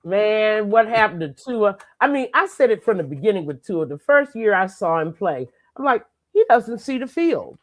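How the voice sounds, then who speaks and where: A woman's voice: mid-range voice, sing-song, normal speed, few pauses. A woman giving blunt, opinionated takes in a casual sports chat show. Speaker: segment guest commentator.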